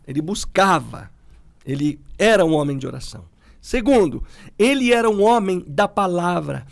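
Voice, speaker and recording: A middle-aged man, a priest, talking in a relaxed way and telling stories, acting out the people he quotes. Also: sits high, gravelly. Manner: animated, acts out quoted people. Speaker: priest guest. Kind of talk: conversational storytelling.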